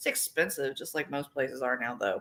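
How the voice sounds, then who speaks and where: The speaker is a woman. She has a strong Virginia accent. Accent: thick Southern Virginia. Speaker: podcast guest. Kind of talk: casual chat.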